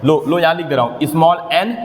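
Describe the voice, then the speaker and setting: High-voiced man teaching maths in an echoey classroom. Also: moderate pace. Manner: explains step by step, keeps asking the class questions. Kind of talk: classroom lesson with motivational asides. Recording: echoey room, long reverb.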